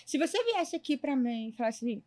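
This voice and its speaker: A Brazilian woman with a high, bright-sounding voice recounts a case in a relaxed chat. She speaks as a lawyer and acts out each quoted line of the exchange, bringing the dialogue to life. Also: brisk. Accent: Brazilian Portuguese. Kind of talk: conversational storytelling.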